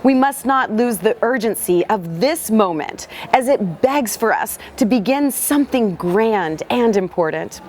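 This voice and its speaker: A woman's voice: a little high, lively intonation, measured pace, few pauses, a little mellow, slight background noise. A woman reading aloud from a motivational manifesto. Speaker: reader.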